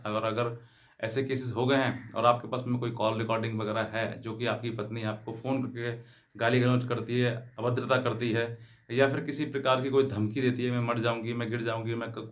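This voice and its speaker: Man explaining things step by step. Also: medium pitch. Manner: repeats and rephrases, glossing English legal terms in Hindi. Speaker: legal advice channel host. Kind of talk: explanatory legal advice talk to viewers.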